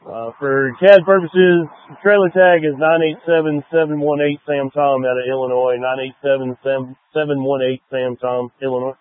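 A man's voice: medium pitch, fairly even intonation, moderate pace, few pauses. A man on patrol calling in over a two-way radio like a CB, clipped and matter-of-fact. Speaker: state trooper on patrol. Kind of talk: police radio traffic. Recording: dry, tinny radio transmission.

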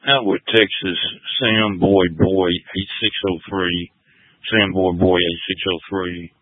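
A man calling in to dispatch over a police walkie-talkie, reading out codes and plates in a clipped, halting way. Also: deep voice, fairly even intonation, no room sound. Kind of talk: radio traffic, call codes. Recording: tinny narrow radio line, dry.

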